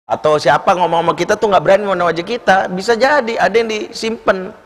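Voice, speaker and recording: With a high-pitched voice and quick pace, a man gives a sermon woven with stories in a large mosque hall full of echo. He tells them animatedly, voicing the characters he quotes.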